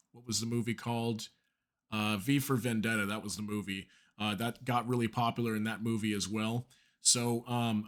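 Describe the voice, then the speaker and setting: Feeling under the weather and losing his voice, a man hosts an online news commentary, reading articles aloud in a medium-pitched, fairly bright voice. He keeps it chatty and casual, with plenty of fillers and asides.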